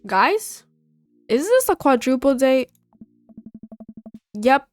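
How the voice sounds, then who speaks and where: Speaking slowly in a high, sing-song voice, a young gaming video host with a stuffy nose from a cold reads through a dating game playfully. She does all the characters in her own voice while faint game music plays underneath.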